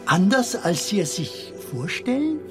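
A doubting film comedian in an audio drama, anxious and searching. He speaks slowly and haltingly, feeling for each word, while music plays clearly behind him. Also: sits high, big pitch swings. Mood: brooding, anxious. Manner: hesitant, halting, searching for words. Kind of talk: theatrical audio drama dialogue.

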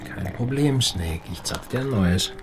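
Very low male voice, middle-aged bartender, laconic, caring, philosophical, radio play, music behind. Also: animated, a little slow. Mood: calm, caring. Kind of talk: intimate radio play acting.

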